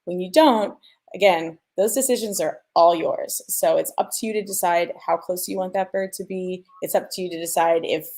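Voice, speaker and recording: A woman's voice: lowish voice, normal speed, darkish tone. A woman giving an informal technical explanation as a sound designer, thinking aloud and checking in with the listener. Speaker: sound designer, panel speaker.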